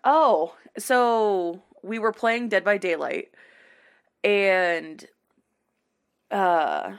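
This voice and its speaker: A woman's voice: mid-range voice, drawn-out words, clean tone. A woman hosting a podcast, telling a rambling story with frequent laughs. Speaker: podcast host. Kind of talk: casual chat.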